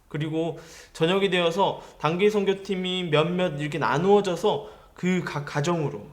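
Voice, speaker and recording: A young man from the Gyeongsang region preaching a sermon to middle schoolers, telling stories gently and putting questions to his listeners. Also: a little high. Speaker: youth pastor.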